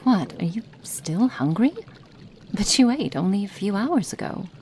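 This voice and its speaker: A woman voicing a cruel, cold witch experimenting on a captive in an ASMR roleplay, speaking slowly and menacingly and slipping into soft whispers. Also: medium pitch, expressive, slight background noise, natural voice. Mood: clinical, curious.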